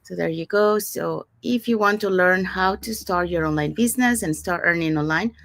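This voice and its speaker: A woman's voice: lowish voice, moderate pace, creaky, a bit bright, no room sound. Upbeat woman host from Panama, dry sound. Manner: upbeat, promotional, with frequent fillers. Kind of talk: scripted webinar promo chat.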